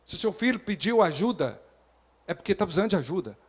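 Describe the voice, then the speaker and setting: A man preaching to his congregation in an animated way, his voice sitting a bit high. He acts out quoted voices and keeps asking the people questions. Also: fast talker. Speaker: pastor. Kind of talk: sermon.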